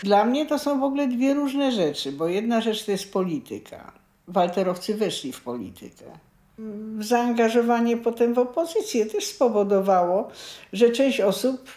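A woman's voice: medium pitch, dark tone. A woman explaining her view point by point in interview talk, repeating key phrases for emphasis. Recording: roomy, echoing sound.

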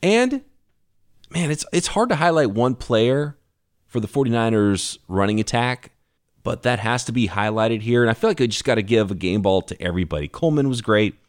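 A man hosting a solo sports podcast, talking through the game in an energetic, conversational way while his voice is worn from a cough. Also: mid-range voice, normal speed, dry recording, studio quality. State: losing his voice from a lingering cough. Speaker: podcast host.

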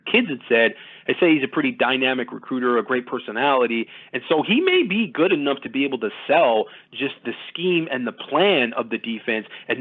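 A man giving casual, detailed sports recruiting analysis as a guest, talking conversationally at length. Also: mid-range voice. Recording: thin phone-like audio.

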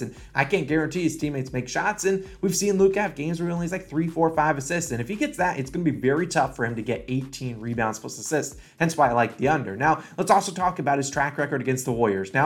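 An American man hosting a sports picks video with the confident, hyped delivery of a tipster. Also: medium pitch. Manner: fast, confident tipster hype. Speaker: sports betting tipster, channel host.

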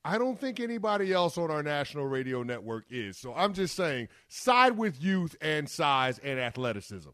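A man in his thirties hosting sports talk radio with a slightly high, energetic voice. He is brash and playful, delivering trash talk with confidence. The sound is dry and close-miked. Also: normal speed, hardly any pauses, no room sound. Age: 30s. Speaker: radio sports show co-host.

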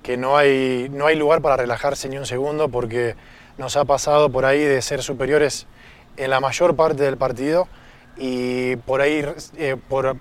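A man answering as a professional footballer in an interview, measured and repetitive in phrasing. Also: medium pitch, steady tone. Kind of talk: post-match interview.

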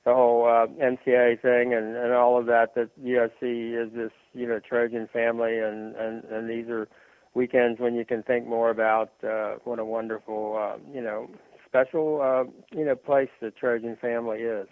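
A man talking sports on a radio show, halting and full of fillers and restarts. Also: mid-range voice, level tone, no echo. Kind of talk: rambling sports talk on phone. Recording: tinny phone line.

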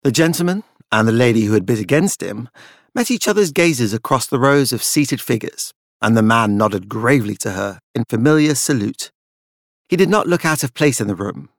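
A man narrating literary fiction as an audiobook reader, in a measured, formal storytelling manner. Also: medium pitch, no room sound, studio quality.

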